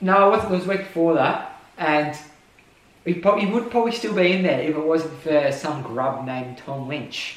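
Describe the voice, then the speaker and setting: Speaking at a moderate pace with an Australian accent, a man with a fairly high pitch and lively intonation is heard amid noticeable background noise and audible room echo. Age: 20s. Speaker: podcast host. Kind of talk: casual chat.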